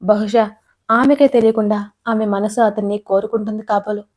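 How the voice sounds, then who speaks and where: A woman narrating an audio romance story in an expressive storytelling way, voicing all the characters herself. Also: medium pitch, moderate pace. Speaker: writer and narrator.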